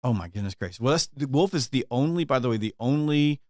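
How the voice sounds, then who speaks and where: A man's voice: medium pitch, expressive, quick pace, darkish tone, no room sound, studio quality. A man hosting a sales podcast, interviewing a guest in an enthusiastic, conversational way. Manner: enthusiastic, conversational, some restarts. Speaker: podcast host.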